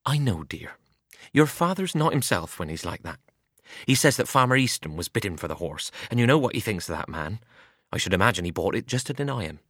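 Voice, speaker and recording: A weary, cautious farm mother, as a male reader voices her, soft and reproving in a low voice that still rises and falls. The sound is dry and close. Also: sing-song, brisk, breathy edge, no room sound, full character voice.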